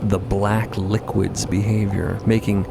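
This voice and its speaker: A man's voice: lowish voice, level tone, takes it slowly, creaky, noisy background. A man narrating an adventure story for a fiction podcast, dramatically and in the present tense.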